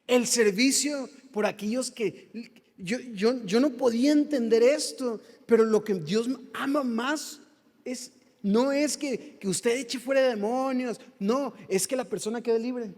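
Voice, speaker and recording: A man's voice: very high voice, a little slow, a little mellow. A man with a Mexican accent preaching a sermon, fervent and firing rhetorical questions at the congregation. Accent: Mexican Spanish. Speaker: pastor. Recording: long hall reverb.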